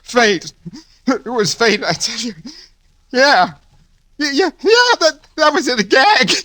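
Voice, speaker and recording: An actor playing a scheming small-time office porter in an old radio drama, raving when drugged and sly when narrating. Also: male voice, extremely high pitch, expressive, takes it slowly, pauses often, pushed and bright, heavily acted. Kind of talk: 1940s radio acting.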